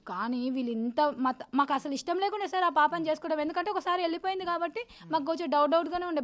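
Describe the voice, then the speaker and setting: A woman speaks in a high voice. She talks fast and insistently and circles back over her own words, giving interview testimony. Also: fairly bright tone. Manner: rapid, insistent, repeats herself. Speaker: victim's sister interviewed.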